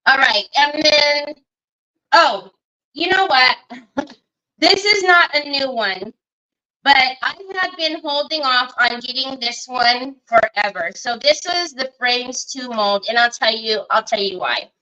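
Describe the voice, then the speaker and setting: A woman's voice: high voice, slow, sharp tone, dull audio. A woman hosting a casual craft livestream, chatting along and greeting viewers by name as she works. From Northern California. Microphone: computer mic on a livestream.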